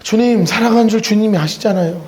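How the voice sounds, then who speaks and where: A man's voice: high-pitched, fast, darkish tone. A male pastor preaching a sermon, retelling Bible scenes and leading the congregation in call-and-response. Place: church sanctuary. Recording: echoey church sanctuary.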